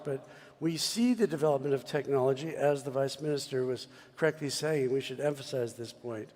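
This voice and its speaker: A man's voice: fairly high pitch, a little mellow. A man from the United States speaking on a panel, expansive and emphatic, as if giving a speech. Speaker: mining executive panelist. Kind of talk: panel discussion. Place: large conference hall. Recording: long reverb of a conference hall.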